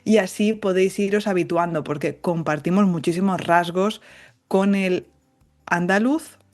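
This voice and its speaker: A woman's voice: fairly low pitch, normal speed, a little mellow. Woman, light La Mancha Spanish accent, podcast guest, carefully articulated, chatty and joking. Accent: light Castilian Spanish from La Mancha. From Spain. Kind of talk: casual conversational interview.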